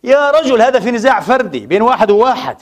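A man's voice: very high-pitched, sing-song, fast talker. A Palestinian man preaching a Friday sermon in a mosque, impassioned and mixing colloquial speech with formal phrasing.

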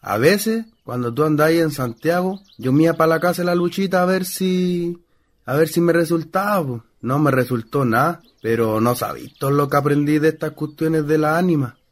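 A man's voice: on the high side, normal speed, close to an everyday voice. An actor playing a superstitious, gossipy young country man in a radio play, earnest and folksy, with a rural Chilean accent. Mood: confiding, earnest. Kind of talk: stage-style radio play acting.

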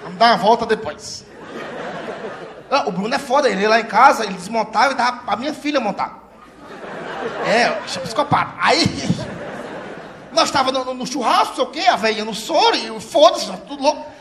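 A middle-aged man telling a profane stand-up comedy story on a live stage, laughing through his lines and shouting when he acts out the people in it. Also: extremely high pitch, brisk, long pauses, noisy background. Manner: loud, laughing, animated, profane, slips into shouted voices for characters.

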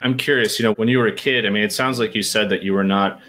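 A man's voice: fairly low pitch, fairly even intonation, fast talker, fairly bright tone. A man hosting an interview, asking long questions that he keeps rephrasing. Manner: rambling, rephrases his questions. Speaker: podcast host.

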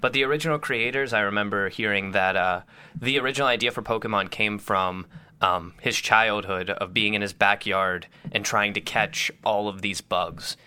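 A man's voice: on the low side, moderate pace, sharp tone, clear, resonant tone. A young man co-hosting a casual podcast chat, rambling and swearing casually. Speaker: podcast co-host.

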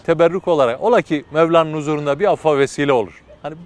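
A man's voice: on the high side, rapid-fire, darkish tone, natural voice. A man voicing a poor, naive, pious weaver who speaks in a humble, pleading way. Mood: humble, earnest.

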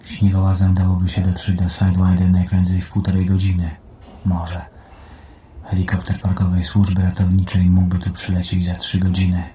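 A man's voice: low voice, completely flat delivery, moderate pace, mellow, slight background noise, lightly acted. An actor playing an educated, self-assured male job applicant, speaking precisely and with control in an audio drama. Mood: matter-of-fact. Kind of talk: audiobook radio play acting.

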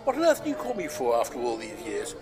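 An actor playing a haughty, testy former schoolteacher and writer in an audio comedy, dismissive in manner. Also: male voice, medium pitch, wildly swooping pitch, fast, over music. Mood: disdainful. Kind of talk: comedy audio drama acting.

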